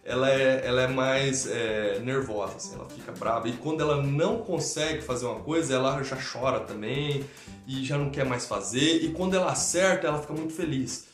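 A man's voice: mid-range voice, fairly quick. A Brazilian man hosting a live stream, explaining through everyday examples in a casual conversation about teaching children. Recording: echoey room with faint music.

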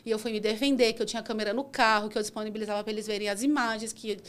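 A woman rideshare driver, telling comic stories from her job in animated, casual chat. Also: medium pitch. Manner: animated, quick, acts out dialogue in her stories. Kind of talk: casual comic storytelling on a podcast.

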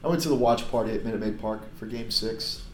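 Hoarse excitable man, echoey room. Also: lowish voice, quick pace. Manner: excitable, bursts into loud whoops. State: hoarse, lost voice. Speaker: podcast host. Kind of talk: casual podcast chat. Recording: echoey room with faint noise.

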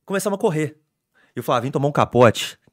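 A young adult man, a sports reporter telling stories in an excitable, animated way on a casual podcast. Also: on the high side, quick pace.

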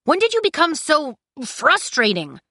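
A woman's voice: fairly high pitch, lively intonation, normal speed, sharp tone, dry recording, clean studio sound, pitched above the performer's own voice. A woman voicing an indignant young male emperor in an audiobook, emphatic and exasperated. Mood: stern, indignant. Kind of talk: audiobook character acting.

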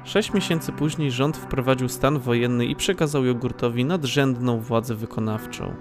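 A man's voice: mid-range voice, moderate pace. A man narrating a scripted audio drama as its storyteller. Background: faint music.

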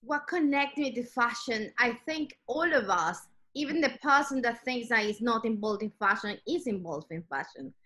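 A woman's voice: fairly high pitch, pushed and bright. A middle-aged woman from Ecuador with an Ecuadorian Spanish accent, a native Spanish speaker answering interview questions in a reflective, storytelling way. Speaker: guest.

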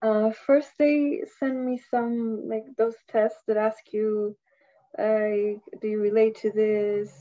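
A young woman speaks English, her voice mellow and rounded. She chats loosely, laughing and letting sentences trail off. The sound is dull and lo-fi. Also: fairly high pitch, level tone, takes it slowly. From Costa Rica. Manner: chatty, laughs often, trails off mid-sentence. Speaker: guest, university student. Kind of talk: casual interview chat. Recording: dull lo-fi audio.

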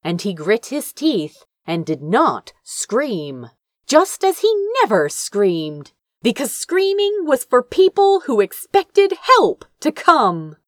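A woman's voice: fairly high pitch, huge pitch swings, slow pace, no room sound, studio quality. A woman reading a fantasy story aloud as narrator, with theatrical, suspenseful delivery. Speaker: fan fiction narrator.

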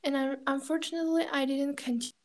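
A young woman's voice sits high, well above the usual range for women. She was raised in China and speaks Kazakh as her mother tongue, so her English comes out careful and halting. She fills gaps with little hesitations as she recounts her experiences to the interviewer. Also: fairly even intonation. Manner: hesitant, searching for words, non-native phrasing. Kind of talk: casual conversational interview.

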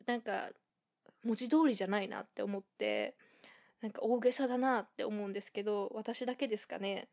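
Japanese woman chatting on her own podcast, lots of little fillers, easygoing mid-pitched voice. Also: fairly even intonation, brisk, a little mellow. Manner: chatty, thinking aloud with many fillers. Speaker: podcast host. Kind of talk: casual solo podcast talk.

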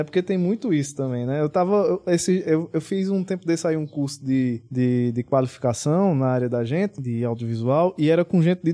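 A man with a Pernambuco accent co-hosting a casual podcast chat, animated and full of restarts. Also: a little high. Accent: Northeastern Brazilian, Pernambuco. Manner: animated, lots of restarts and impressions. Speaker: podcast co-host.

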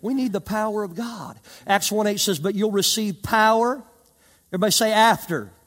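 A high-voiced man preaches to a responsive congregation, pressing his points with emphasis and folksy stories. His voice carries a long reverb, as if filling a large hall. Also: a little fast, fairly bright tone. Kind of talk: sermon. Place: church service with live congregation.

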